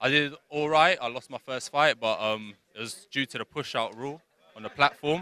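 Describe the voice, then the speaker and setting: A man with a fairly high voice speaks at a moderate pace, his bright, sharp tone showing ordinary pitch variation and big swings in loudness, recorded dry and close with no echo. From West London. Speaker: kickboxer. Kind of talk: interview. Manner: hesitant.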